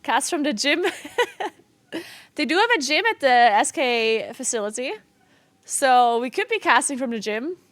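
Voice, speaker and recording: A woman with a high voice and a South Tyrolean accent, speaking English as a second language. She chats casually as a game streamer, in a giggly manner. The sound is dry, with very little room echo. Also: animated, unhurried, a bit bright. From South Tyrol, Italy. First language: not English. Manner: giggly, laughs often while talking. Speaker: game streamer and esports caster. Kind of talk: casual livestream chat.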